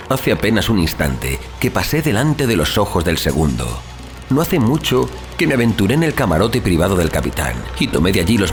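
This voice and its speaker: Deep-voiced man narrating gothic horror, dramatically. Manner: solemn, literary, theatrical delivery. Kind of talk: dramatic scripted audiobook narration of a horror tale. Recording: music under the voice. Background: music.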